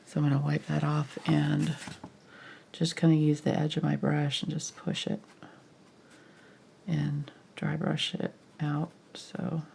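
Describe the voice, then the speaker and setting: A woman's voice: dark tone, slight background noise. A woman with a stuffed-up nose from a cold and audible breathing, giving casual live painting instruction in a murmured way that trails off. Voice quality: congested, stuffed nose, low husky voice. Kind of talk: casual live tutorial commentary.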